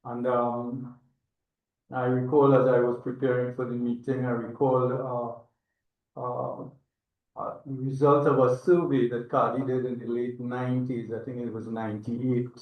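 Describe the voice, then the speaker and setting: Older Trinidadian male presenter, mid-pitched, hesitant and reflective, on muffled online-meeting audio. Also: flat delivery, unhurried. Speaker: agronomist and institute chairman, presenter. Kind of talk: informal conference presentation. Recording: echoey, distant, dull online-meeting audio.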